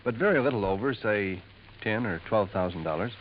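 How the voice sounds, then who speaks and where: An actor playing a smooth, confiding male jeweler who drops insinuating hints in a 1950s radio drama, on a dull old recording. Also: on the low side, expressive, brisk, slight background noise, close to an everyday voice.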